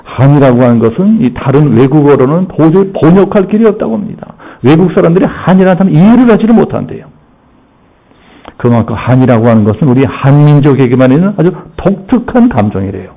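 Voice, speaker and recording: A man pastor giving a lively sermon in a church, asking the congregation rhetorical questions. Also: a little high, quick pace, phone-quality sound.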